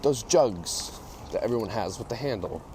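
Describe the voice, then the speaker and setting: A man with a lively, swinging intonation banters casually as a podcast guest. His humour is dry and easygoing. Faint vehicle ambience runs behind him. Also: on the low side, normal speed. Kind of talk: casual chat. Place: on the go, around parking lot and car. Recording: faint vehicle noise, on location. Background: faint ambient and vehicle noise.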